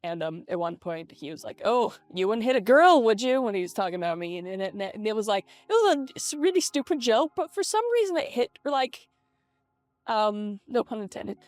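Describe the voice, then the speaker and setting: A young adult woman talking casually and confessionally in a vlog through a voice changer, in a hesitant, halting way with repeated words. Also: mid-range voice, lively intonation, no room sound. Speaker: vlogger. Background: soft lo-fi video game music.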